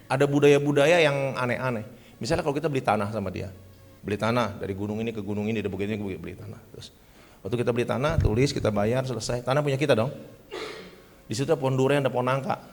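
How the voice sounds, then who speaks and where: A man preaching, telling funny stories between points. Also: mid-range voice. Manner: lively storyteller, acts out voices. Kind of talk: sermon with comic storytelling. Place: church. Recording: church hall reverb.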